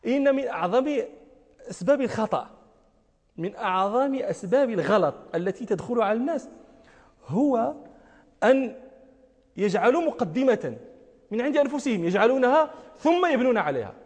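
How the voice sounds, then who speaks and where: A man's voice: extremely high pitch, big pitch swings, a little fast, pauses often, a little mellow. A man giving an emphatic religious lecture, repeating key phrases and asking rhetorical questions. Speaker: religious scholar teaching a lesson. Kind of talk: lecture on recitation and jurisprudence. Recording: long hall reverb.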